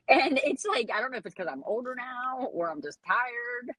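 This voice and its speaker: A woman's voice: a little high, a bit bright, breathy edge, dry recording, rough recording. A woman in her forties, a mother of six, chatting casually and rambling with frequent laughs. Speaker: parent. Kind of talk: casual chat.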